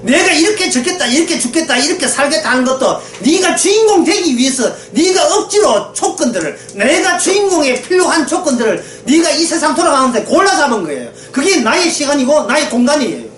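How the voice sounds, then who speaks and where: A woman preacher with a high voice delivers an emphatic sermon, swinging widely in pitch as she pushes rhetorical questions at her listeners. She is recorded from some distance in an echoey room with faint ambience behind her. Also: big pitch swings, fairly quick, hardly any pauses, a little hiss or hum. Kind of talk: sermon lecture.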